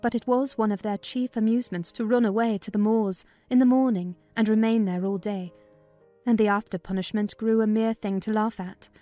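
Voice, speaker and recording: A woman narrating a dramatized audiobook in a measured, literary storytelling manner. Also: on the high side, fairly even intonation, mellow, no room sound, soft background music.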